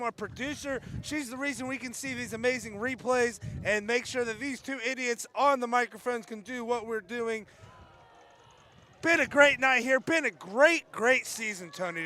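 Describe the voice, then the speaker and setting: A man calls a high school football game at an outdoor stadium in wind and rain, joking with his partner between plays. His voice sits very high and sounds bright and sharp. He breaks into shouts when a big hit lands. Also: normal speed. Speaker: play-by-play announcer.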